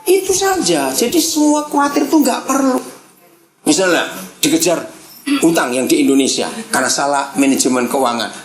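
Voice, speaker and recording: Lively woman preacher in an echoey hall. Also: sits low, moderate pace. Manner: lively, teasing, acts out family quarrels with laughs. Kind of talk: sermon to a live congregation. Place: church hall with congregation. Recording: echoey hall with audience responding. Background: congregation answering.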